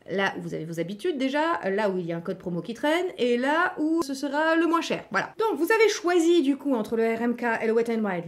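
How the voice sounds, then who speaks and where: A middle-aged woman talks through a makeup tutorial in a chatty, easygoing way, with a voice sitting a little higher than most women's. She drops playful asides and hesitates often as she goes. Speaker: beauty vlogger.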